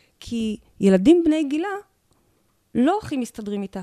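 Lively intonation runs through the speech. Its tone is dark and mellow. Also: woman. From Israel, Haredi upbringing. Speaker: author and spiritual teacher. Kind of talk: guided visualization; podcast interview.

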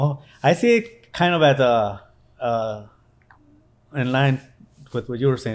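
On a very clean recording with a silent background, a man talks at a moderate pace with fairly even intonation. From Santa Barbara, California. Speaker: restaurant owner. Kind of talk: casual chat. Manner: halting.

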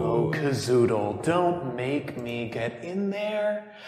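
A man puts on a husky character voice with very wide pitch swings, speaking at a fairly slow pace amid clear echo. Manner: smooth, amused.

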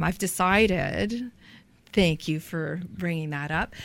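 Fairly low in pitch, a woman with an unremarkable speaking voice talks with ordinary pitch variation. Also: very clean recording, silent background. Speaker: leadership coach. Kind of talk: casual radio interview.

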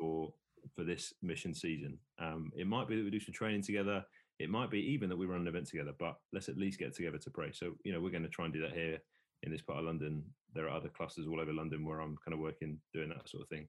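A man's very deep, low voice in a southern English accent, very fast, with ordinary pitch variation. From England, Essex. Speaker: pastor. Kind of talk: interview conversation.

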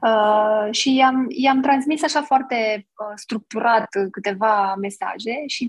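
Somewhat breathy, a woman talks at a fairly slow pace with a fairly high pitch and ordinary pitch variation. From Romania, Ploiești. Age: 40s. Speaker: content creator and entrepreneur. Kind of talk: podcast interview. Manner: halting, many fillers.

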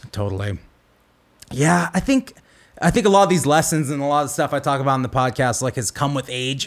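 At a fairly quick pace, a man with an ordinary speaking voice talks at a fairly high pitch with lively intonation. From California, Santa Barbara. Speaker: podcast host and musician. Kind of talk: casual chat.

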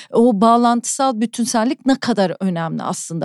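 On a very clean recording with a silent background, a plain, everyday voice speaks at a moderate pace with ordinary pitch variation. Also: woman. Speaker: podcast host. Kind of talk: casual interview chat.

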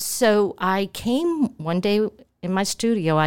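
A woman with an American accent at a very slow pace, in a dry, close sound with no echo and a very clean recording over a silent background. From US Midwest (Indiana). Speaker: textile artist. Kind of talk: interview. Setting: studio.

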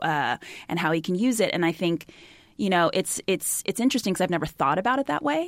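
Speaking very fast with lively intonation and very even loudness, a woman with an American accent and medium pitch is heard on a very clean, dry, close recording with a silent background and no echo. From United States. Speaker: actor, writer and director. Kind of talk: casual chat.

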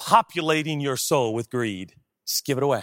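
A man with a Pacific Northwest accent speaks in an animated tone in a very clean recording with a silent background. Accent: American (Pacific Northwest). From US Pacific Northwest (Seattle). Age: 40s. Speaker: pastor. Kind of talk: sermon. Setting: stage with audience.

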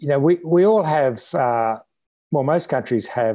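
Speaking at a fairly slow pace in an Australian accent, a man has a dark, mellow tone and lively intonation. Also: quiet background. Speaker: author and public intellectual. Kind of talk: interview.

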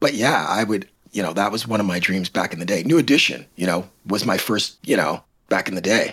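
A man's ordinary speaking voice, fairly low in pitch with ordinary pitch variation, at a fairly quick pace. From Canada, Toronto. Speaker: marketing consultant. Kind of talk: casual interview.

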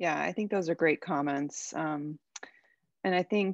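The pace is moderate and the pitch varies in an ordinary way. The sound is dry and close with no echo, over a quiet background. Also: woman. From Minnesota. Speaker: orthopedic surgeon. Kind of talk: casual interview.

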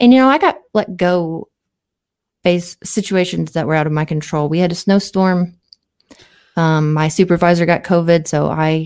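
A woman's voice sits fairly low in pitch and moves at a moderate pace. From US South. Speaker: podcaster. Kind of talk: casual chat. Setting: video call.

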